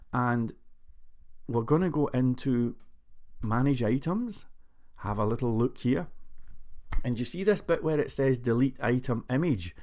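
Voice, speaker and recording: Chatty man walking through code slowly. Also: medium pitch, darkish tone. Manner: chatty and self-mocking, thinks aloud. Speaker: programming tutor. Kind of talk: screencast coding tutorial.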